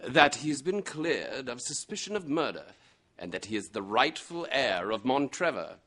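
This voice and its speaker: A man playing a composed, courteous gentleman detective in a radio mystery, speaking formally and precisely. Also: mid-range voice, very animated, normal speed. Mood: reassuring, formal. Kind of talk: radio mystery drama acting.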